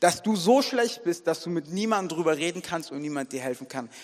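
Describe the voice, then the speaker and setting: A high-pitched man with lively intonation. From Frankfurt, Germany. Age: 30s. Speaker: pastor. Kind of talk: sermon. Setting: church.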